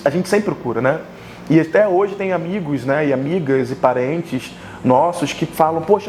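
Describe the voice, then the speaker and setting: A man in his thirties with a Brazilian Portuguese accent, giving earnest, reflective answers in a studio interview, often pausing and restarting his sentences. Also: a little high, darkish tone, a little hiss or hum. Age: 30s. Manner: earnest, searching, with many pauses and restarts. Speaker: interview guest, writer and teacher.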